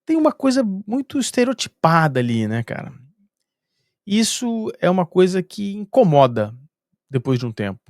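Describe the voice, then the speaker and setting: Gravelly Brazilian man telling a story. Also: sits high, very animated, moderate pace, no room sound, clean studio sound. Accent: Brazilian Portuguese. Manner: chatty, with a frequent "né". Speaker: university professor, vlogger. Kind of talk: casual storytelling monologue.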